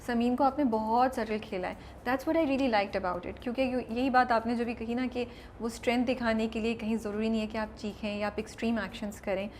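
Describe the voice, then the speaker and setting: Chatty woman interviewer, code-switching, slightly high voice. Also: steady tone, a little fast, few pauses, a little mellow, a little hiss or hum. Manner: chatty, switches often between Urdu and English. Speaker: interviewer, magazine host. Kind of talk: casual interview chat.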